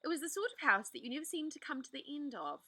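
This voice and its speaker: A woman reading a children's book aloud in a gentle, soothing way. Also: high voice, very animated, fast, dry recording. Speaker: storytime host.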